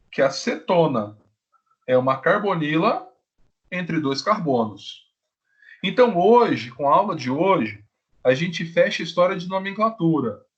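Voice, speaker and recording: Lively man teaching a live class. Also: sits high, highs cut off. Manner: lively, repetitive teacher talk, often checks in with "tá?"; slows down to stress key rules. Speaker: chemistry teacher.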